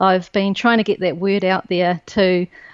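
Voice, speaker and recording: A woman with a New Zealand accent, medium pitch and monotone, flat intonation. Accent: New Zealand, broad. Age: 40s. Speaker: biochemist and natural medicine practitioner. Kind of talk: podcast interview.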